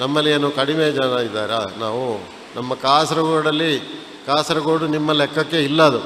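Through audible room echo and noticeable background noise, a man speaks at a fairly high pitch with fairly even intonation. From Kerala, Kasaragod. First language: Tulu (speaking Kannada). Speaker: businessman, chief guest. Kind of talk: inaugural speech. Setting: stage with audience.

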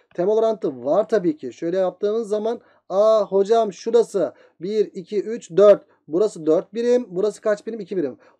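At a moderate pace, a man speaks in a high pitch with ordinary pitch variation and a dark, mellow tone. The background is quiet. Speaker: geometry teacher; math teacher. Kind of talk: lecture. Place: home room.

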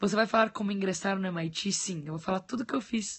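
Over a quiet background, a somewhat breathy woman talks at a moderate pace with ordinary pitch variation. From Brazil. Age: 20s. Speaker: entrepreneur and online educator. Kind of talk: casual livestream chat with viewers. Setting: live phone stream. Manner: animated. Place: home room. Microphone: phone near.

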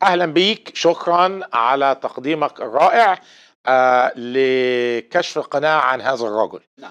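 The voice moves at a very slow pace with lively intonation and big swings in loudness, over a quiet background. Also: man, fairly high pitch for a man. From Egypt. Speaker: talk show guest. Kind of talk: religious debate interview. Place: studio. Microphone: lapel.

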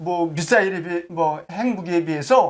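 Speaking in a North Korean accent, a man with a high pitch shows ordinary pitch variation. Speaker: North Korean defector, former missile unit soldier. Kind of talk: interview.

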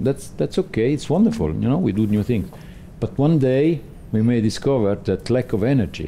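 Over light background noise, a man speaks at a fairly quick pace and medium pitch, his tone dark and mellow, his pitch swinging very widely and his loudness very even. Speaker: panelist. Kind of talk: panel discussion. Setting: stage with audience. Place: cafe.

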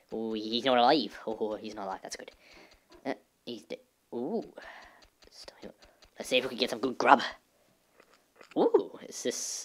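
The speaker uses a put-on character voice pitched low-to-middle. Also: moderate pace. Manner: snarky, whiny, mock-British.

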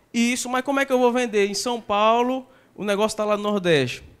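A fairly quick pace in a northeastern Brazilian accent. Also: man. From Brazil, Northeast. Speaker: co-speaker at business seminar; speaker. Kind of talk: live seminar talk. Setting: stage with live audience. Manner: joking. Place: hall. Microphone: handheld.

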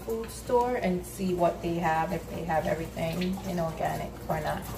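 Amid noticeable background noise, a woman speaks at a moderate pace with a fairly low pitch and fairly even intonation. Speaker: home cook vlogger. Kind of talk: casual vlog chat. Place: kitchen. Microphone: phone near.

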